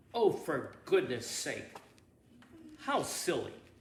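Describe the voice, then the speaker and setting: A put-on character voice, high-pitched, growls and hisses. It moves at a very slow pace with a slight echo. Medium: read story. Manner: silky, smart alecky.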